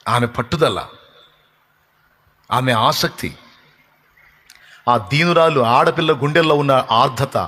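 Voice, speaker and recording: A man's voice: medium pitch, a bit bright, husky. Impassioned preacher man in an echoing hall. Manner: impassioned, builds through long repeated phrases. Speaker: pastor. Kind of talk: sermon.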